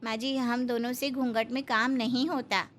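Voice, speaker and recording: A woman's voice: on the high side, fairly even intonation, moderate pace, very noisy, natural voice. A woman voicing a timid young daughter-in-law. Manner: timid, resigned.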